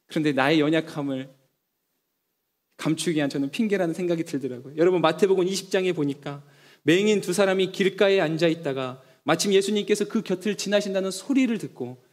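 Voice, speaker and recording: A man's voice: sits high, fast. A male pastor giving an earnest sermon, mixing personal stories with emphatic appeals to the congregation.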